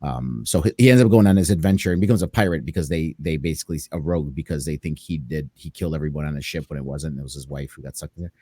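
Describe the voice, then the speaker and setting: A man's voice: extremely low pitch, very fast, few pauses, mellow, breathy edge, dry recording. A man on a casual podcast, rambling through a story idea with frequent restarts. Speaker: podcast co-host. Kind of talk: casual chat.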